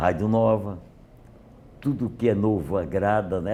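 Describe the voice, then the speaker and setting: A man talks in a dark, mellow tone with vocal fry. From Paraíba, Brazil. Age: 60s. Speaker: veteran radio host. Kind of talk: interview.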